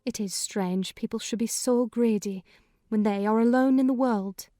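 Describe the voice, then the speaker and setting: A woman's voice: on the high side, moderate pace, dark tone, no echo, clean studio sound, natural voice. A woman reading a kindly, talkative older housekeeper in a dramatized audiobook. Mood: chatty. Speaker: narrator voicing housekeeper.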